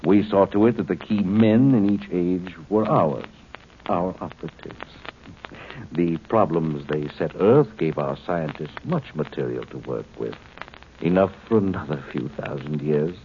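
Casting: lofty alien overlord in old radio sci-fi, deep voice, formal, patronizing, thin hissy sound. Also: male voice. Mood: condescending. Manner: formal, condescending, measured explanations. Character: coolly superior alien commander posing as a human man. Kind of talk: 1950s radio drama acting. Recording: tinny, noisy 1950s radio recording.

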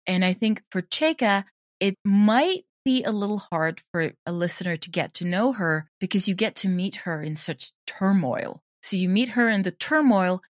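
A woman speaking as an interviewed audio drama creator, explaining her craft in a thoughtful, conversational way with many softeners. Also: fairly low pitch, dry recording, clean studio sound.

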